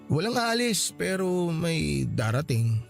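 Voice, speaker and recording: A man's voice: fairly high pitch, sing-song, takes it slowly, gravelly, faint music behind, full character voice. A man playing a young husband in a radio drama, defensive and pleading. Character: young husband, soft-hearted and placating.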